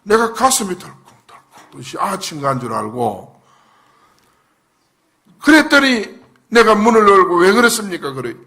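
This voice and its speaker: A male pastor delivers a fervent sermon in a very high voice. He swings between loud shouted cries and quiet, low asides. His tone is bright and sharp. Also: sing-song, unhurried, long pauses. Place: church sanctuary.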